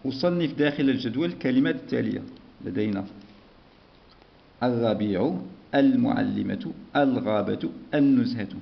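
A man's voice: mid-range voice, gravelly. A man teaching a primary school lesson, patiently dictating and repeating words. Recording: dull lo-fi recording.

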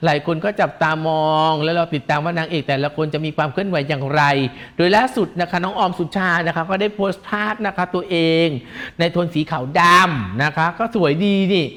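A man's voice: on the high side, brisk, few pauses. A man hosting a celebrity gossip chat, teasing and giggly, with a camp manner and feminine polite endings. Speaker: gossip show host.

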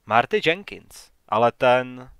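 A man voicing an uneasy, cautious man back in his hometown in an audiobook, speaking haltingly. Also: medium pitch, expressive, a bit bright, smooth, no echo. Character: shaken, wary man returning to his hometown.

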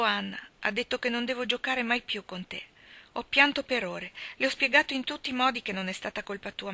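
A woman's voice: medium pitch, bright, forceful tone. A woman voicing a tearful, devoted young girl who speaks in an earnest, pleading way.

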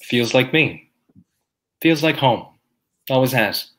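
A man's voice: mid-range voice, animated, takes it slowly, a bit bright. A man reading a friendly trans woman customer. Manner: light and polite. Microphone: video call.

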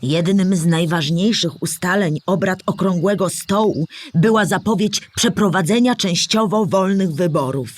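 A woman's voice: on the low side, normal speed, few pauses, lightly acted. A woman playing a storyteller who explains history to a child in a scripted children's audio play. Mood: explanatory.

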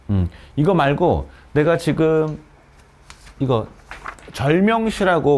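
A man lecturing a class of students in a classroom. His voice sits a little high and rises and falls a great deal. He keeps asking questions of the students and answering them himself. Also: a little mellow, a little hiss or hum. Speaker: Korean literature teacher. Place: cram school classroom with students present.

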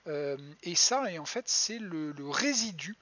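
A man's voice: on the high side, animated, measured pace, bright, forceful tone, dull audio. A man giving a live-streamed astronomy lesson as a planetarium educator, chatty and hesitant with many fillers and restarts. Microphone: home computer mic.

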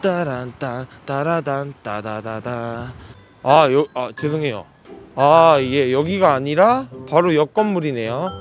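A man with a hoarse morning voice talks through a face mask, playful and upbeat as he chats to his viewers. His pitch sits in an ordinary middle range. Music plays clearly in the background. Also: expressive, slow pace. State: hoarse, just woke up. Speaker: mukbang vlogger. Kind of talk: casual chatty vlog talk. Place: indoors, in a small local soup restaurant.

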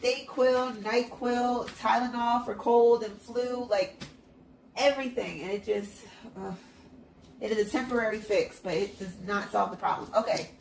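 A woman's voice: fairly high pitch, unhurried, gravelly, darkish tone, roomy sound, slight background noise, poor audio. Congested woman chatting while stuffing cash. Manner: chatty, upbeat, self-encouraging. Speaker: budgeting vlogger. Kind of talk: casual narration while counting cash. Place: at home, at a table. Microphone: hands-only overhead camera, mic off-frame.

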